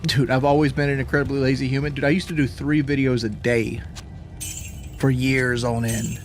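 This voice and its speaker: Brief: male streamer, casual rambling chat, winded, mid pitch, desk mic, faint music behind. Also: level tone, moderate pace. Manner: rambling, repeats words, swears casually. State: out of breath after a workout. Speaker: live streamer.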